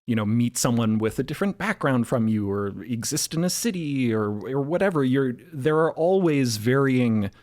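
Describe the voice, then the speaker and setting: A man's voice: mid-range voice, animated, normal speed, hardly any pauses, darkish tone. A man speaking reflectively on a roundtable, searching for his phrasing as he thinks aloud. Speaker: podcast co-creator, panelist.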